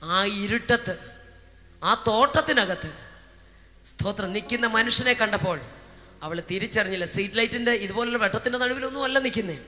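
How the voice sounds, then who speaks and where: A woman from Kerala preaching a Pentecostal sermon, moving between shouted speaking in tongues and soft storytelling, with praise words dropped between her phrases. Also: mid-range voice, a little fast. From Kerala, India. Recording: reverberant hall with music behind.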